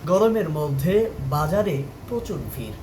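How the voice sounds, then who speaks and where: A male voice artist reads in a scripted storytelling style. His voice sits high for a man, and there is faint noise in the recording. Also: animated, measured pace, mellow. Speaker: voice artist and narrator.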